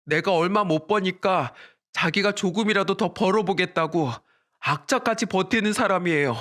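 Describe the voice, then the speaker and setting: A man voicing an angry husband and eldest son who confronts his mother in a storybook drama. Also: high-pitched. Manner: shouting, indignant.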